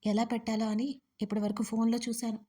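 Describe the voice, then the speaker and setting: Woman voicing a young husband, firm, scolding, soft mellow tone, audiobook. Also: a little high, level tone, quick pace, lightly acted. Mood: stern. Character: young husband, stern but tender.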